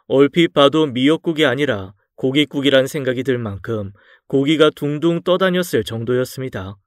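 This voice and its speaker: A man narrating a dramatized true story in a calm, confessional first-person way. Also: mid-range voice, dry recording, clean studio sound.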